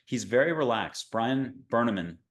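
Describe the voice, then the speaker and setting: A male host of an interview show, introducing a guest and asking questions on a video call in a chatty, upbeat way, with quick asides. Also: medium pitch, animated, a bit bright. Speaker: podcast host. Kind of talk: casual interview hosting.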